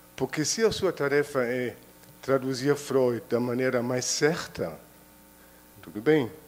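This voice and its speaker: A man with a German accent at a medium pitch, very slow with long, frequent pauses, ordinary pitch variation and music in the background. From Germany. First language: German (speaking Portuguese). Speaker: audience member. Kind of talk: question from the audience. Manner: halting.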